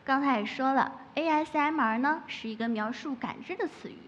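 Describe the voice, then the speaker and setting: A woman who makes ASMR, giving a lively public talk from a stage with playful asides. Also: sits high, brisk. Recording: echoey hall, muffled, faint noise.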